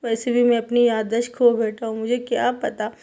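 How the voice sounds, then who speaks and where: A flustered, excitable young man, put on by a woman narrator, pleads in a voice pushed well above her own. His agitated, rising delivery comes across as defensive. It has the mellow tone of a casual storybook retelling. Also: a little high, brisk, pitched above the performer's own voice, natural voice.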